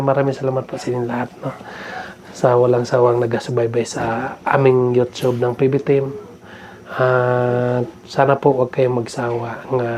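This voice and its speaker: A man hosting a vlog, telling a story in a chatty way and often asking "no?". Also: mid-range voice. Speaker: vlog host. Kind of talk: casual vlog talk to viewers. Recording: noisy outdoor ambience.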